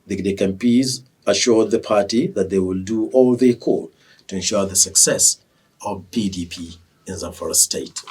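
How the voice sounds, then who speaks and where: A Nigerian man reading scripted television news as anchor, in a formal, measured manner. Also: on the low side, darkish tone, breathy edge, far from the mic.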